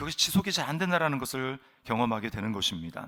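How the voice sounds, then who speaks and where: A man speaks fairly quickly with lively intonation and vocal fry. His tone is bright and sharp. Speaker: senior pastor. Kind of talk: sermon. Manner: fast.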